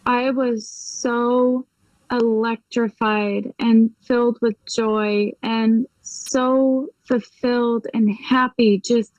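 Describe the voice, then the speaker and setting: A woman's voice: on the high side, level tone, drawn-out words, a little mellow, no echo, low-quality recording. A woman, a medium, telling a personal story in an interview, acting out the dialogue vividly and laughing often.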